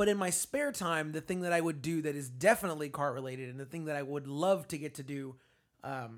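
An ordinary speaking voice from a man, fairly high in pitch with ordinary pitch variation, on a very clean recording with a silent background. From Florida. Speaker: car podcast co-host. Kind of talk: casual chat.

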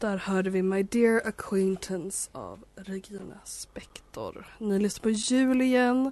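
A woman's medium-pitched voice at a very slow pace with hardly any pauses, fairly even intonation and big swings in loudness. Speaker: student radio host. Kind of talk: casual chat. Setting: studio. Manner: hesitant, many fillers.

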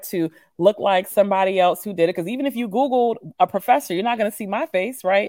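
A woman with an American accent and a plain, everyday voice speaks at a fairly quick pace, with medium pitch and ordinary pitch variation. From US, Nigerian American household. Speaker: professor and consultant. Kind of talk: interview.

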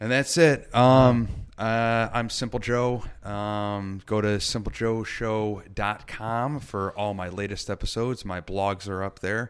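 In a very clean recording with a silent background, a man with an American accent uses an ordinary speaking voice, fairly low in pitch, at a fairly slow pace with fairly even intonation. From Michigan, Detroit suburbs. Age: 20s. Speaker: podcast host and comedian. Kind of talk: casual chat. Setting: home studio.

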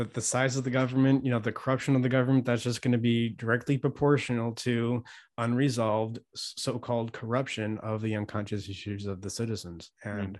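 A man with an ordinary speaking voice, medium pitch, fairly even intonation and a fairly quick pace, hardly any pauses, against a quiet background. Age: 40s. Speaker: therapist and channel host. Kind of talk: casual chat.

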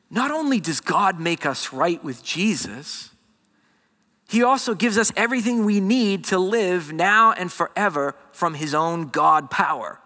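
Raised and projected, a man's voice sits at a high pitch with a bright, sharp tone. He speaks at a fairly slow pace with lively intonation. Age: 40s. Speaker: pastor. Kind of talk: sermon. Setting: church. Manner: conversational.

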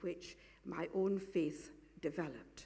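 A woman in a Scottish accent speaks with a dark, mellow tone. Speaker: retired teacher giving testimony. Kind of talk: testimony. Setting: church service.

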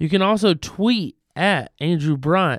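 The recording is very clean, with a silent background. A man's voice comes through with a dry, close sound and no echo. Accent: Southern US. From Mississippi, Horn Lake. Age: 20s. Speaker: podcast host. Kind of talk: podcast intro; casual interview.

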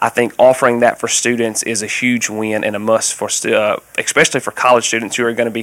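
Speaking with a Southern US accent, a man talks at a fairly quick pace and medium pitch in a monotone, flat intonation. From Louisiana. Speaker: campus ministry director. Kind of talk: casual interview.

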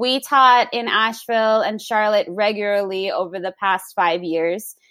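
At a moderate pace, a woman in an ordinary speaking voice talks with fairly high pitch and lively intonation on a very clean recording with a silent background. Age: 30s. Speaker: movement and breath teacher. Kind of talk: casual chat.

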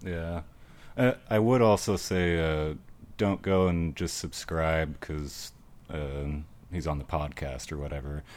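Very deep, low-pitched man, fairly slow pace, ordinary pitch variation, very clean recording with a silent background. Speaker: podcast host. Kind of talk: casual chat. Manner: subdued in intros, livelier in interview.

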